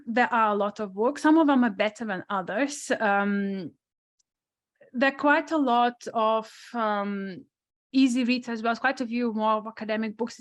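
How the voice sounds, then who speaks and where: A woman with a strong non-native accent, a sports psychologist answering questions on a webinar panel in a thoughtful, restarting way. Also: on the high side. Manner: thoughtful, many restarts and asides.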